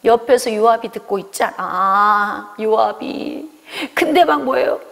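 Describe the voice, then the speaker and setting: A middle-aged woman pastor giving an animated Bible study lecture, now and then acting out a scolding voice. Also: a little high, quick pace, creaky, in a large hall. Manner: animated, acts out God's scolding voice in quotes.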